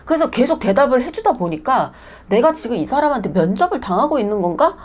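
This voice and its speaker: Nail salon owner, woman, blunt and fed up, slightly high voice that swings widely, casual vlog talk. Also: big pitch swings, fast. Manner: blunt, exasperated ranting; switches between polite and plain speech.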